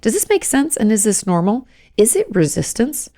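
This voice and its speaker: A hoarse woman, hosting a casual advice podcast as a therapist and explaining things patiently with frequent "okay?" check-ins. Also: fairly high pitch, very animated, moderate pace, mellow. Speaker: host, licensed therapist.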